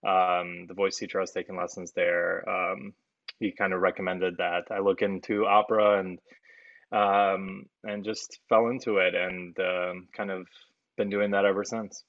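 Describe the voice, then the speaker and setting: A young man with a very deep, gravelly voice talks in a relaxed, hesitant way full of fillers. The sound is dry and dull, like a lo-fi remote line. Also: unhurried, dry recording. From born in Romania, raised in the US. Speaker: opera singer, interview guest.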